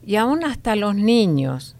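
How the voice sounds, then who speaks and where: An older woman hosting a Christian advice talk, speaking in a measured, explanatory way with many hesitations. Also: mid-range voice, sing-song, a little mellow. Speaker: host.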